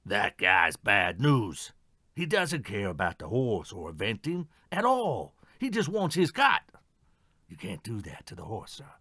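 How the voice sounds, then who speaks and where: A man's voice: on the low side, wildly swooping pitch, measured pace, pushed and bright, breathy edge, dry recording, studio quality, exaggerated voice. A man acting a stubborn, defensive horse trainer in an audio mystery play, respectful but defiant. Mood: indignant, protective. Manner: defensive, addresses superiors respectfully.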